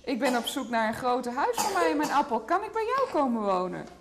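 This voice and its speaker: Little storybook mouse girl, polite and a bit tired, high and sing-songy, woman reading it. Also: big pitch swings, fairly quick, over a noisy crowd. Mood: hopeful.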